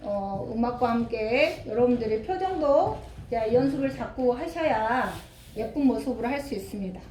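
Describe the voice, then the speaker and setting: Brief: female trainer acted by a woman, brisk and demanding, very high voice, echoey stage room. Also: animated, mellow, natural voice. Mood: instructive. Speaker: exercise instructor in a stage play. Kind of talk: instructions to a group on stage. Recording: echoey room with faint background noise.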